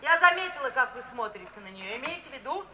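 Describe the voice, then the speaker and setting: A shrewd, blunt middle-aged woman in a 1950s radio drama. Her voice is very high and sharply bright, with emphatic, scornful delivery. It sounds distant in a roomy old recording with faint hiss. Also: big pitch swings, fast, heavily acted. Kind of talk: 1950s Soviet radio play acting.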